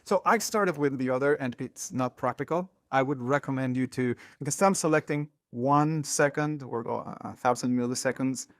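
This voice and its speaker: A man's voice: mid-range voice, moderate pace, hardly any pauses. Emphatic man teaching a live workshop. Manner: emphatic, repeats key points, checks understanding. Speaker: workshop instructor. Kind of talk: live hands-on workshop instruction. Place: room with a live audience.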